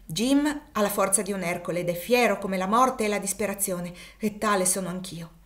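Woman doing an intense young man in an audiobook, low and grave. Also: brisk, lightly acted. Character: fierce young man defending his family.

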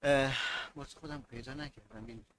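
A man's voice: mid-range voice, little pitch movement, a bit bright. A man teaching a grammar lesson to students, repeating key words and asking them to fill in blanks.

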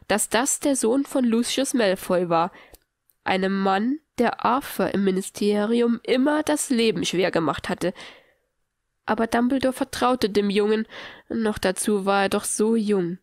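A woman narrating a fan fiction audiobook in a lively storytelling manner. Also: mid-range voice, a little slow, no echo, clean studio sound. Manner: lively storytelling, reads all parts. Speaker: audiobook reader.

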